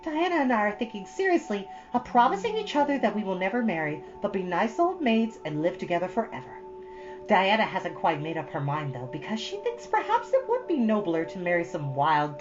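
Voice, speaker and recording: A woman's voice: mid-range voice, sing-song, normal speed, lo-fi sound, music in the background, lightly acted. A woman voicing a chatty, earnest thirteen-year-old girl from a storybook, rambling with solemn drama. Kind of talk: storybook character reading.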